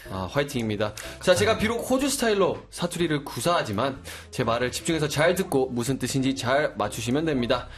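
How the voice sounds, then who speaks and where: A man's voice: mid-range voice, lively intonation, brisk, hardly any pauses, soft background music. A man co-hosting a quiz show, announcing scores and questions in a playful, teasing way. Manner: playful, teasing, often laughing. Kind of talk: lively game show hosting.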